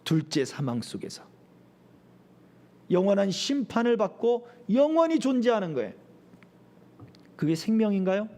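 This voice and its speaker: A middle-aged man preaching as pastor, with a fairly high voice that leaps and drops through wide swings. He delivers the sermon animatedly, slipping into the voices of people he quotes. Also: sing-song, normal speed, long pauses, mellow.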